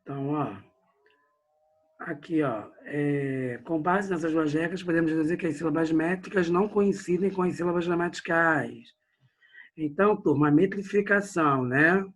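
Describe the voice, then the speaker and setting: A man's voice: a little high, moderate pace. A Brazilian man teaching a literature class online, chatty and addressing his students directly. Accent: Brazilian Portuguese.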